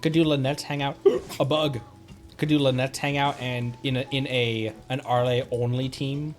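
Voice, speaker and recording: A man's voice: medium pitch, little pitch movement, normal speed, soft background music. A man chatting casually on a live game stream, thinking aloud in a rambling way with silly little interjections. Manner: playful, silly interjections and nonsense words.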